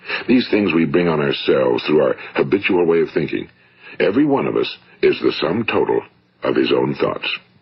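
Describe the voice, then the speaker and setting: Speaking at a fairly quick pace in a calm tone, a man with an American accent keeps his loudness very even while noticeable background noise runs underneath. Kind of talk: motivational spoken-word talk / lecture. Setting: old studio recording of a classic motivational speech. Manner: calm, measured, authoritative.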